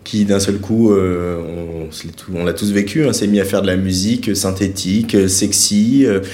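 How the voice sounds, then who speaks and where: A man's voice: low-pitched, steady tone, moderate pace, darkish tone. A man from France interviewing a musician, asking long rambling questions with many fillers. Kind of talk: radio interview.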